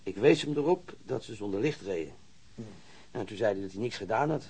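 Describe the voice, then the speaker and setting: Wounded male cop, husky, lowish, chatty, self-assured, hesitant pauses, radio drama. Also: animated, darkish tone. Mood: recalling, assured. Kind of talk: naturalistic radio drama acting.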